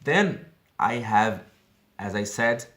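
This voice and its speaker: A man's voice: fairly low pitch, expressive, slow pace, fairly bright tone. Brazilian man in his thirties, chatty. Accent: Brazilian Portuguese. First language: Portuguese. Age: 30s. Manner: earnest, chatty, keeps checking in with "okay?". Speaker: language-learning vlogger. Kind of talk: casual app walkthrough.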